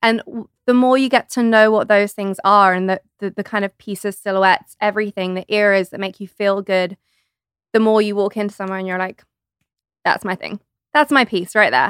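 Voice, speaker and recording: A woman speaks at a fairly quick pace and a medium pitch, with fairly even intonation. The sound is dry and close with no echo, on a very clean recording with a silent background. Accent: London. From London, England. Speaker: stylist and content creator. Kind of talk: casual chat.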